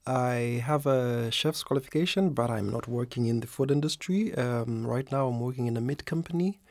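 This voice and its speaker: A man's voice: mid-range voice, moderate pace, darkish tone, no room sound. A man from Zambia, a podcast guest, introducing himself in a friendly way with frequent laughs. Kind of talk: casual chat.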